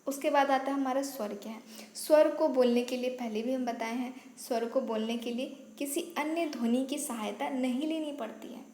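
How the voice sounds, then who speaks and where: A woman's voice: high-pitched, moderate pace, hardly any pauses, a little mellow. A woman teaching a basic Hindi grammar lesson for exam preparation, explaining step by step and checking in with "ठीक है", and apologizing now and then for her own pronunciation. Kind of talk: online exam-prep lesson. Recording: echoey room with faint ambient noise.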